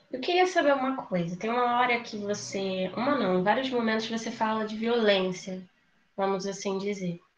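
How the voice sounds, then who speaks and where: The speech moves at a moderate pace with ordinary pitch variation. Light background noise and audible room echo are present. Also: woman, fairly high pitch for a woman. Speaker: course participant; course participant asking the professor. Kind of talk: class discussion question. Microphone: poor internet connection, no video; video call.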